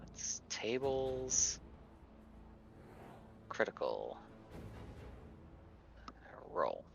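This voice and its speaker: A man's voice: medium pitch, huge pitch swings, extremely slow, vocal fry, slight background noise. A man playing a tabletop roleplaying game, chatting casually as he makes his moves. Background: prominent music under the voice.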